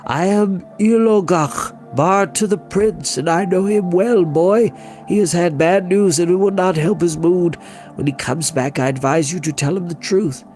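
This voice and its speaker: A man doing a soft-spoken, lisping old bard. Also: high-pitched, unhurried, faint music behind. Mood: soft warning. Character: frail old male bard, passionate and proud.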